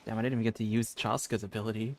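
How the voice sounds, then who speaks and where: A man giving casual, slangy, sweary commentary as he streams a game playthrough, musing out loud. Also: on the low side, little pitch movement, rapid-fire, soft background music. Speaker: gaming streamer.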